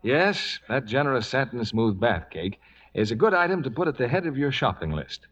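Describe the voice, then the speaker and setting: A man's voice: mid-range voice, big pitch swings, normal speed, a bit bright. A man announcing in a scripted 1940s radio advertising style. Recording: muffled vintage radio recording.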